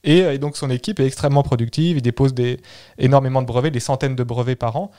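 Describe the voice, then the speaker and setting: A man at an ordinary middle pitch tells history in easygoing conversation. He explains at length and often doubles back on his words while he thinks. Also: steady tone, quick pace, dark tone. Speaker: podcast co-host telling history. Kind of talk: casual history chat.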